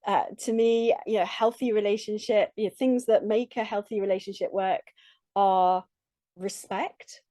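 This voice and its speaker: Warm, earnest woman coach talking. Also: medium pitch, fairly even intonation, no echo, studio quality. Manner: earnest, reflective, with frequent soft laughs; speaks in short halting phrases with restarts. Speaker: relationship coach, podcast guest. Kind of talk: conversational interview.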